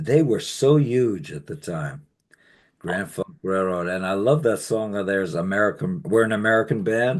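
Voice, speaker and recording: Over music in the background, a man with a fairly low voice speaks at a moderate pace with very wide pitch swings. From US Northeast (Long Island, New York). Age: 70s. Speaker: singer-songwriter. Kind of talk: interview.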